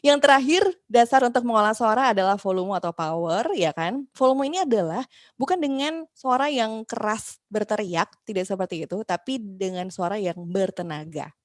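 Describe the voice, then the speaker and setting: A woman's voice: medium pitch, a little fast, dry recording, clean studio sound. Chatty woman teaching voice basics. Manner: chatty and lively, addresses listeners as friends, acts out quoted complaints. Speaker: voice and podcasting workshop instructor. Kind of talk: casual online class teaching.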